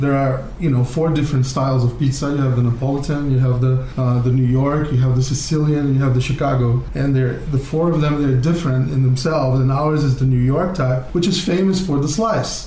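A man with a Brazilian accent talks at a fairly quick pace in a medium pitch, his loudness very even. There is audible room echo and noticeable background noise. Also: fairly even intonation. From Brazil, Rio de Janeiro. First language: Portuguese (speaking Russian). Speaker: restaurant owner. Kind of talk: interview.

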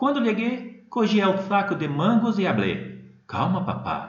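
The speaker talks at a very slow pace with a Brazilian accent. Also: man. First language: Portuguese (speaking Spanish). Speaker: contest participant. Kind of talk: storytelling.

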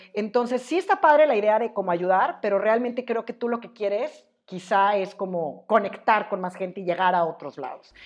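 Against a quiet background, a woman with a northern Mexican accent talks at a moderate pace with hardly any pauses, using a medium pitch, lively intonation and big swings in loudness. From northern Mexico (Monterrey, San Luis Potosí). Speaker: designer and social media creator. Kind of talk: casual chat.

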